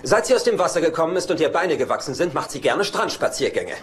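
A glib, wisecracking brother in a dubbed sitcom. His voice is a little high, with a dry, teasing delivery. The audio is clearly noisy, with a studio audience. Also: very animated, fast. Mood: mocking, amused. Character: cheeky, sarcastic, wisecracking adult brother.

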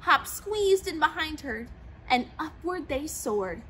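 Young woman, storybook read-aloud, sing-song rhyming, high bright voice, faint hangar hum. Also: animated, slow. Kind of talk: reading a rhyming picture book aloud. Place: large aircraft museum hangar, seated in a plane cockpit.

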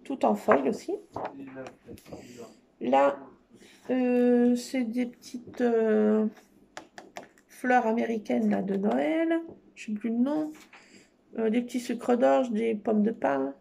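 A scrapbooking crafter, fairly high-pitched, gravelly and mellow, chats animatedly but at a slow pace, pausing often as she displays her craft paper. She is enthusiastic, leans on fillers and repeats "trop beau." Some hiss or hum runs beneath.

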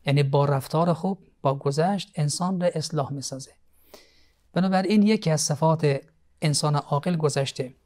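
A male cleric on a TV studio program, calmly telling moral stories and teaching with frequent hesitation fillers. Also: on the high side. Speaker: cleric, guest expert. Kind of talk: storytelling religious teaching on TV.

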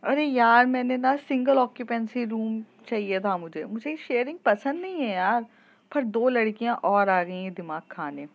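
A spoiled rich young woman, haughty and quick to fury, as a woman storyteller puts her on. She talks brashly and dismissively, in a slightly high voice. The recording sounds dull and lo-fi. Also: vocal fry. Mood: annoyed.

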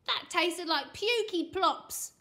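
A woman plays a spoiled little boy from a children's storybook, greedy and sly. The voice is high and piercingly bright, swinging widely as he whines and makes his demands. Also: sing-song, a little slow, exaggerated voice. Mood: outraged. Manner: whiny, slangy, demanding.

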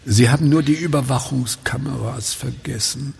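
Gravelly, gloating werewolf villain. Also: male voice, medium pitch, moderate pace, a little mellow, heavily acted. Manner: theatrical, mockingly polite, savoring words. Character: sadistic werewolf clinic director, gloating, mannered villain. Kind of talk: German horror audio drama acting.

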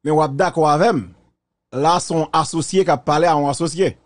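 A man gives measured, reflective commentary, mixing French and Creole. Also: fairly high pitch, no room sound.

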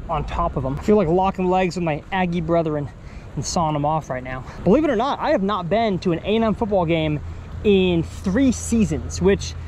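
A Texan fishing vlogger chats casually by an outdoor pond, upbeat and thinking aloud as he fishes. His high-pitched voice is expressive with a darkish tone, at a moderate pace. Faint ambient noise is present in the outdoor recording.

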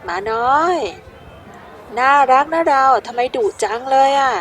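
Woman dubbing a curious, cheeky teenage rebel in a game, chatty and exclaiming, high voice. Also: moderate pace, a faint crowd. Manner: lively exclaiming, casual slangy talk.

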